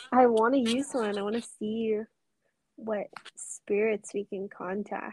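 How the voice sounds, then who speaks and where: This is a normal speaking voice at a fairly slow pace with fairly even intonation. The sound is dry and close, without echo. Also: woman, fairly high pitch for a woman. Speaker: podcast guest. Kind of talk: casual chat.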